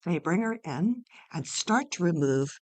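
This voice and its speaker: A woman's voice: lowish voice, animated, a little slow, darkish tone. A woman reading a play's narration as dramatic storytelling. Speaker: narrator and playwright.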